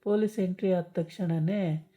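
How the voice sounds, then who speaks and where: A woman's voice: on the low side, fairly even intonation, moderate pace, dark tone. A woman chattily retelling a TV serial episode, with many hesitation sounds. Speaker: storyteller recapping a TV serial. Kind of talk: casual story retelling. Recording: dull lo-fi recording.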